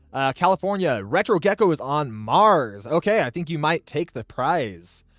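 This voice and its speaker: Energetic in tone, a man with a fairly high pitch swings very widely in pitch, recorded dry and close with no echo on a very clean, silent background. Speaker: YouTuber streaming Q&A. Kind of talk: live stream Q&A. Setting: live stream with chat. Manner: projecting, energetic.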